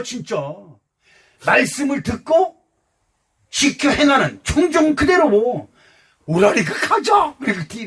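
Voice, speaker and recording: An older man preaching a sermon as pastor, animated and loud, acting out quotes with bursts of shouting. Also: extremely high pitch, breathy edge. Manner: animated, acts out quotes in exclamations.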